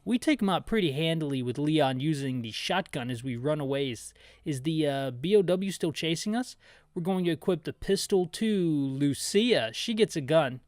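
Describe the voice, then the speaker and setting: Chatty man narrating a game, slightly high voice. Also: expressive, normal speed, darkish tone, no echo, studio quality. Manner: rambling, jokey, chatty. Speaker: video game playthrough narrator. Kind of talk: casual descriptive commentary with asides.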